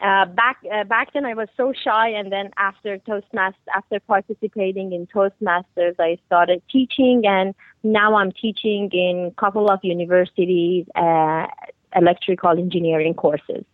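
A woman's voice: medium pitch, steady tone, moderate pace, no room sound. Woman from Iran, eager chatty guest, phone-line sound, dry. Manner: laughs easily, eager and chatty. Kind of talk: phone interview.

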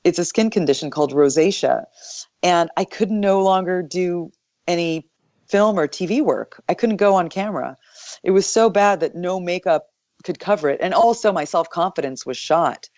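A woman with a low, deep morning voice answers interview questions in a thoughtful, explanatory way. The sound is dry and a little dull, with no room around it. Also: moderate pace, no room sound. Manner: thoughtful, explanatory, with soft laughs. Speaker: voice actor guest.

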